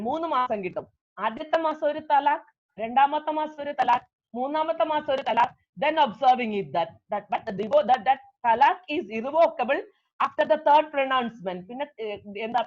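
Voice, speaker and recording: Female law lecturer, high-pitched, unhurried, explanatory, dull recording. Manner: explanatory, repeats key terms, slow deliberate English phrases. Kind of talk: law lecture mixing English and Malayalam.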